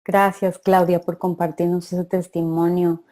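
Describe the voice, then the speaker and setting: A woman leading a women's faith session, responding to a participant in a calm, measured, affirming way. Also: fairly low pitch. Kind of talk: guided spiritual teaching.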